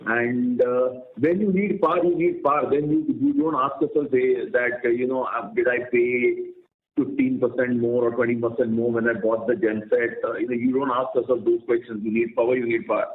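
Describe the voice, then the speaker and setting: A man speaking as a company executive on an earnings call, explaining in a halting way and repeating words. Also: medium pitch, steady tone. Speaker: company executive answering analysts. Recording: roomy, tinny conference phone line.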